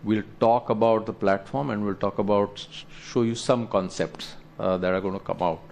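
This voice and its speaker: A man presents company results to investors as an executive, explaining slides in a measured, halting way. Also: lowish voice, steady tone, vocal fry, a little mellow, a little hiss or hum. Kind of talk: earnings presentation to investors, talking through slides.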